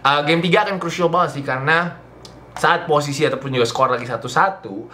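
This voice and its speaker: A man's voice: fairly high pitch, fairly quick, sharp tone, slight background noise. A man, hosting a casual, slangy sports recap and slipping English phrases into his talk. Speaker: sports channel host. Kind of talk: casual basketball recap commentary to camera. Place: small indoor living room.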